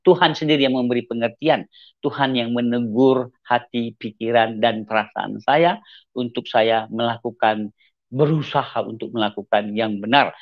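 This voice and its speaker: A man's voice: steady tone, moderate pace. A middle-aged man from Aceh, Indonesia, with a mixed Acehnese accent, giving an earnest personal testimony as an evangelist. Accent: Acehnese with mixed Medan, Timor and Malaysian traces. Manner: earnest, repetitive, sudden rises in pitch for emphasis. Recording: slightly dull lo-fi audio.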